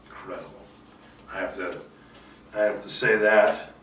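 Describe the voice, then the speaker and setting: Rather low and a little slow, this filmmaker's slightly bright voice shows little pitch movement as he rambles to himself during a solo table read, playfully boastful and swearing a bit. There's slight background noise, an echoey room, and a distant microphone.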